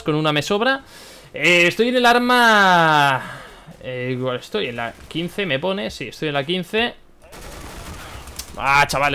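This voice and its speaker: A young man from commenting on his own gameplay, excitable, swearing and shouting at the game. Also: fairly high pitch, slight background noise. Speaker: gaming YouTuber.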